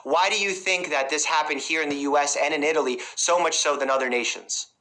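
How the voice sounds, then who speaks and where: Bright-voiced man asking questions. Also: a little high, brisk. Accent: New York. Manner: prepared, methodical questioning. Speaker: family doctor interviewer. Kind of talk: interview questions.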